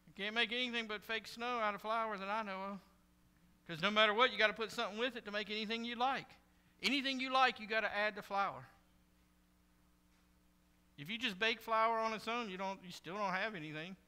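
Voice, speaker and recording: Pastor guy preaching, high bright voice, goes from quiet to yelling, long church echo. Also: fairly even intonation, a little fast, clear, resonant tone. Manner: conversational preaching that swings from hushed asides to loud shouted warnings. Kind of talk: sermon. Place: church sanctuary. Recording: church hall with long reverb.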